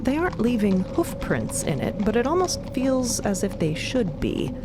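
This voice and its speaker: A woman co-narrating scripted fiction in an expressive, emphatic way. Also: on the high side, moderate pace. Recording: loud music bed under voice.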